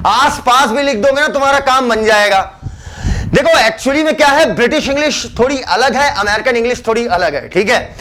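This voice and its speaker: A man's voice: extremely high pitch, fairly bright tone. A man teaching a biology class in a chatty, teasing manner. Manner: chatty, teasing, addresses students as beta. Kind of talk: classroom lecture.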